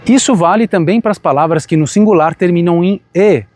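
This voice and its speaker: Guy giving a lesson outside on a phone, kinda high voice, dry sound, slows down to spell stuff out. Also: a little mellow, no room sound, faint music behind. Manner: switches between Portuguese and Italian, spells out sounds slowly. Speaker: Italian teacher. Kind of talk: outdoor language lesson. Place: outdoors in a town. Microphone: phone recording.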